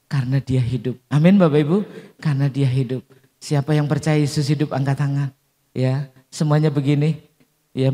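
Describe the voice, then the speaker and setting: A man's voice: a little high, warm tone. A male pastor preaching a sermon in church, telling stories, acting out quotes and calling out amens to the congregation. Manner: storytelling with acted quotes, calls and amens to the congregation. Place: large church hall. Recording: long church hall reverb.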